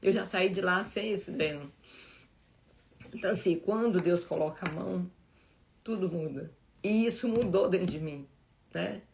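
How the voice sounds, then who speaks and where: A woman giving a heartfelt, informal devotional talk as host of a live Bible reading, halting often with restarts and fillers. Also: fairly low pitch, gravelly, darkish tone.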